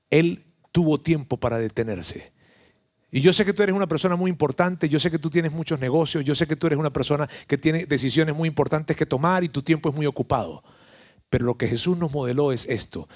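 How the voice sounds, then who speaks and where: A man preaching a sermon, retelling a story with animation and speaking straight to his listeners. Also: a little high.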